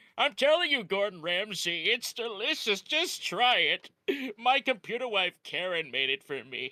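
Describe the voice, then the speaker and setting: Doing a put-on character voice, a man speaks at a moderate pace in a raised, projected voice, high in pitch with very wide pitch swings. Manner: scheming.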